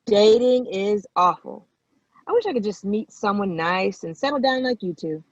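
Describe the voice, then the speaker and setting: A woman's voice: medium pitch, lively intonation, normal speed, no echo, highs cut off, close to an everyday voice. A woman playing a breezy, chatty, lovelorn donut delivery woman in a comedy table read. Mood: forlorn.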